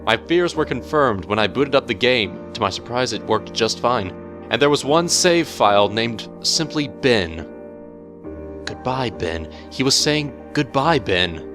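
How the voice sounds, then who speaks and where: A man narrating a horror story in a measured, theatrical storytelling manner over music. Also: medium pitch, expressive. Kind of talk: dramatic horror story reading. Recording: music bed under the voice.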